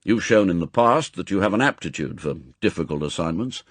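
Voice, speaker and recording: Audiobook role: elderly male spymaster, done by a male reader, gruff, brusque, impatient, with a husky edge. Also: low voice, lively intonation, brisk, dry recording. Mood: brisk, commanding. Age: older. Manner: brusque, authoritative, clipped commands. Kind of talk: audiobook character acting.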